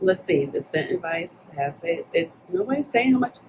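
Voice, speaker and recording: A woman chatting casually about makeup and fragrance, playful and quick to laugh. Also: fairly low pitch, expressive, darkish tone, slight background noise. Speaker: beauty channel host.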